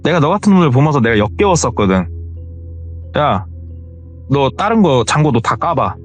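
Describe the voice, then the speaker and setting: A ruthless young male car salesman who speaks in a cursing, taunting way, as a male storyteller puts him on. His voice sits at a middle pitch but swings widely, sounding menacing in a told horror story. Faint music plays behind him. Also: sing-song, normal speed.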